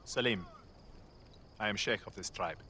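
An actor playing a solemn desert tribal sheikh, speaking in a formal, deliberate, grave way. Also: male voice, fairly low pitch, pushed and bright, a little hiss or hum. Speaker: video game character. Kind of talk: video game cutscene acting. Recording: game audio with music score.

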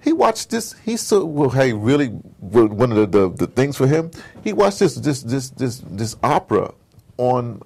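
A man's voice: medium pitch, very animated, moderate pace, vocal fry, dark tone, husky. A middle-aged or older man in casual conversation as an interview guest, emphatic and rambling with slangy turns of phrase. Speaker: interview guest, audio drama producer.

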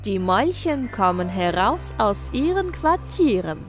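A woman's voice: medium pitch, big pitch swings, a little slow, faint music behind. A woman narrating a scripted, rhyming children's story.

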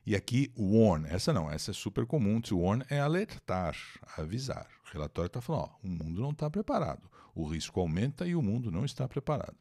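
A man's voice: on the low side, big pitch swings, fairly quick, few pauses, dark tone. A man teaching English to Brazilians on a live stream, with a Brazilian Portuguese accent, reading an article and translating it, repeating words and greeting the chat.

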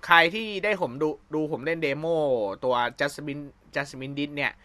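This young man's casual let's-play commentary is slow and steady, his voice on the high side with a sharp tone and no room sound. He chats and rambles as he plays, ending lines with polite filler, while game audio and music play underneath.

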